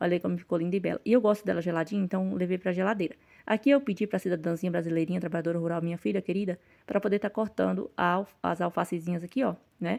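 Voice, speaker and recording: Her voice has a dark, mellow tone and fairly low pitch with ordinary pitch variation. This woman speaks at a very fast pace. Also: very clean recording, silent background. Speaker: vlogger, rural homemaker. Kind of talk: casual vlog narration. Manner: animated.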